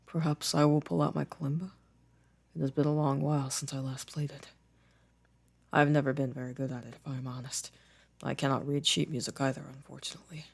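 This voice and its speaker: A man playing a gentle, introspective boyfriend in an intimate ASMR roleplay, soft-spoken with careful, formal wording. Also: mid-range voice, flat delivery, brisk, vocal fry, husky. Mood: modest, chatty. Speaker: audio roleplay voice actor.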